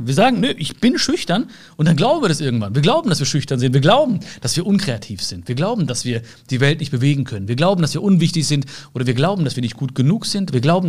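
A man's voice: fairly high pitch, darkish tone. Earnest German man giving motivational talk. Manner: earnest, searching, many fillers and restarts; addresses listener directly with rhetorical questions. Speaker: personal development speaker.

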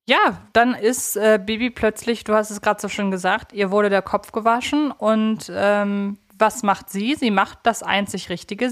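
A woman co-hosting a podcast, talking casually and analytically. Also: medium pitch. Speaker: podcast co-host.

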